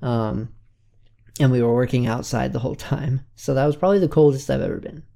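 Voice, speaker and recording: A man in his twenties hosts his own weekly self-improvement podcast, recounting his week in an earnest, plain way in this casual self-recorded update. His medium-pitched voice is creaky and mellow, a little fast, and he sounds a bit congested.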